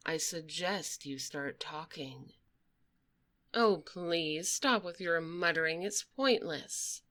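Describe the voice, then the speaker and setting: A woman playing a sassy, menacing female dragon debt collector for the mob in a close, soft-spoken ASMR roleplay, with a cool, taunting, condescending delivery. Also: on the low side. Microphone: close binaural microphone.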